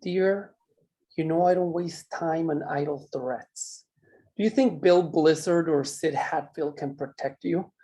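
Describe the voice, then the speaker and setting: A man acting a menacing mine boss in a drama table read, speaking in measured, condescending threats. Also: fairly high pitch, warm tone, natural voice, low-quality recording. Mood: cold, threatening. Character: menacing, controlling male mine boss, coolly cruel.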